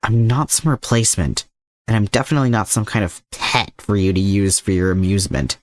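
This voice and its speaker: A man voicing a defiant, indignant young male hero in an audiobook-style story, blunt and quick-tongued. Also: lowish voice, dry recording, natural voice. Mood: indignant defiance.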